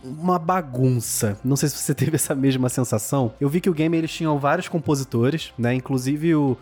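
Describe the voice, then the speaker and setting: A Brazilian man in a casual game review chat, expressive and slangy, stretching words for emphasis. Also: mid-range voice, fairly quick, slightly rough, faint music behind.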